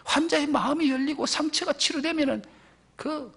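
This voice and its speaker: A Korean senior pastor preaching a Sunday sermon with passion, repeating phrases and swinging from loud emphasis to near whispers. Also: male voice, extremely high pitch, moderate pace, gravelly. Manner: impassioned preaching, rises loud then drops to near whispers.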